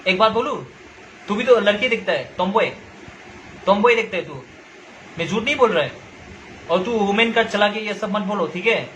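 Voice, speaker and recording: A man's voice: sits high, expressive, moderate pace, pauses often, fairly bright tone, slight background noise, rough recording. A young man from Nagaland, ranting angrily and directly at someone, lecturing and repeating his points. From Nagaland, India. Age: young adult. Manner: confrontational, lecturing, repeats himself. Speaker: social media commentator. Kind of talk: angry direct-to-camera rant.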